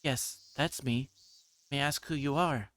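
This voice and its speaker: A man's voice: medium pitch, unhurried, a bit bright, voice pushed up, natural voice. A man voicing a wary schoolgirl from a visual novel in a guarded, terse way.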